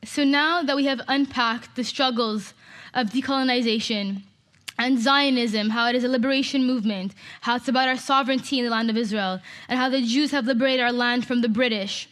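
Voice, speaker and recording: A woman's voice: high voice, a bit bright. A woman from Canada giving an impassioned, emphatic public talk to an audience. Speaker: speaker.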